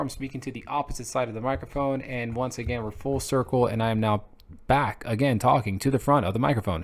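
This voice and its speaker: On a very clean recording with a silent background, a man speaks very fast with ordinary pitch variation. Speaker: tech product reviewer. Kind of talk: product review. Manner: casual.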